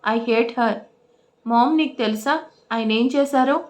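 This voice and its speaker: A woman's voice: a little high, slow pace. A woman voicing an angry, resentful young man who speaks bitterly to his parents in a storybook reading. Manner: bitter, scolding.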